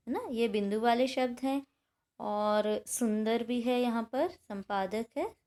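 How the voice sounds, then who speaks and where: A woman's voice: fairly high pitch, a little mellow. A woman teacher explaining a grammar lesson, patiently sounding out example words aloud.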